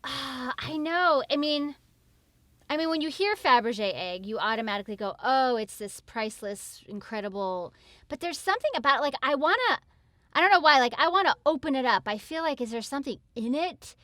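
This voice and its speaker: Female podcast guest from New York: high voice, dry studio sound, gushing casual chat. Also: lively intonation, fairly quick, bright, forceful tone, no room sound. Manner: gushing, acts out quoted reactions.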